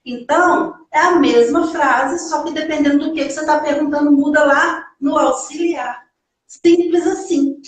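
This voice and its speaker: A Brazilian woman teaching English in a casual live lesson, slowly repeating example phrases and coaxing learners along. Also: high voice, steady tone, heavy reverb, recorded from a distance, rough recording.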